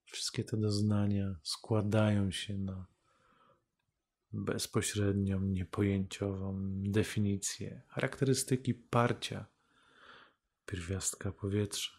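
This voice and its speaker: A man leading a guided meditation as a teacher, calm and unhurried, speaking in measured phrases with long pauses. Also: fairly low pitch, vocal fry, breathy edge.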